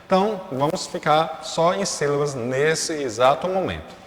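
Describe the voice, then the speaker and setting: Man teaching a recorded class, slightly high voice, roomy reverberant sound. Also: animated, moderate pace, slight background noise. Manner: explanatory, frequent checking fillers. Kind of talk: recorded online class lesson. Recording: echoey room with long reverb.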